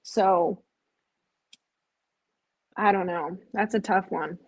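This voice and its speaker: A drowsy woman from the Chicago area hosts a live stream, chatting casually with viewers while yawning and rambling. Her voice is fairly low and darkish, her words drawn out, and the recording is low quality.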